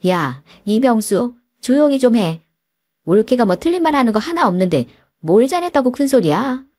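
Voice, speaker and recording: A blunt, fair-minded sister-in-law from a radio story, as a woman reader plays her, speaking her mind plainly. The voice sits higher than the reader's own, in a dry, close sound. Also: very animated, normal speed, a little mellow, no room sound. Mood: stern.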